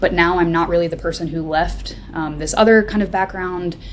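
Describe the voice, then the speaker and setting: A woman with an American accent at a fairly quick pace, with audible room echo and noticeable background noise. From US South, Kentucky. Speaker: philosophy professor. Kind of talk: podcast interview. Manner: frequent fillers and hedges.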